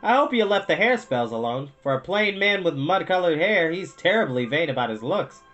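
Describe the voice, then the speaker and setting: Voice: mid-range voice, very animated, moderate pace, a bit bright, lo-fi sound, soft background music. A narrator playing a small, cheeky fire demon, gossipy and teasing, in a fantasy storybook. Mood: sly teasing.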